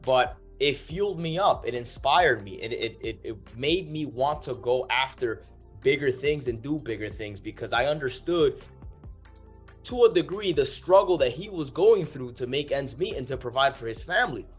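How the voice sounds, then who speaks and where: A man's voice: medium pitch, lively intonation, normal speed, breathy edge. A man from the Dominican Republic, raised partly in the United States, chatting emphatically as a guest, with swearing and frequent check-in questions. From Dominican Republic, moved to the United States at seven. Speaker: guest, men's movement leader. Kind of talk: casual motivational chat. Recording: music behind the voice. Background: music.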